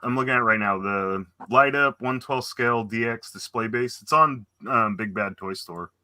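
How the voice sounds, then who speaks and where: A tentative man chats about collectibles, trailing off softly. His voice is bright and forward, and the recording is dry. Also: mid-range voice, moderate pace, dry recording. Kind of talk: casual chat.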